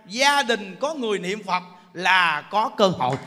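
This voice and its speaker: High-voiced Southern Vietnamese male preacher. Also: big pitch swings, unhurried, pushed and bright, a little hiss or hum. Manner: emphatic, keeps asking listeners "understand? see?". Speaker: Buddhist preacher. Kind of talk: Buddhist sermon. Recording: long hall reverb.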